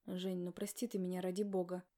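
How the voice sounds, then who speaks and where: A guilty husband pleads and insists, as a woman reading an audiobook puts him on. His voice sits low and flat, with a mellow, dark tone. His words press on in a steady run. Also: a little fast, close to an everyday voice. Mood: pleading. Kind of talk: audiobook character voice.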